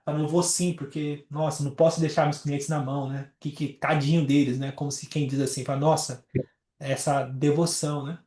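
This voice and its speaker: A man leads a study group on a call and teaches in a relaxed, chatty way. His voice sits a little high. He is heard from a distance in a roomy, echoing space. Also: fairly quick. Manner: explains with everyday examples, many fillers like "né". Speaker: astrologer leading a study group. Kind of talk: casual teaching talk.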